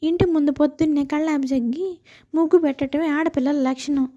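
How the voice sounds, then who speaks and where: A strict old village grandmother as a woman acts her out for an animated moral story. She is bossy and quick to threaten, in a high, soft-edged voice. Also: lo-fi sound, lightly acted. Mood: scolding, bossy.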